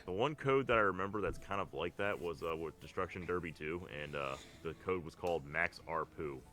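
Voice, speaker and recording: A man's voice: sits low, a little fast, sharp tone. A man bantering casually about games and cartoons as a podcast co-host, swearing freely. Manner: casual, profane.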